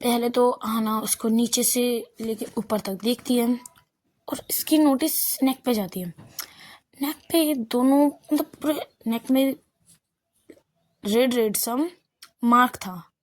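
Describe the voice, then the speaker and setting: A woman's voice: fairly high pitch, slow, long pauses. A woman narrating a love story in a casual, unscripted way, often restarting and correcting herself.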